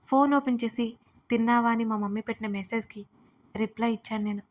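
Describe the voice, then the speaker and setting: A woman's voice: fairly high pitch, quick pace. A young woman narrating a first-person audio story expressively. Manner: expressive, pleading in dialogue.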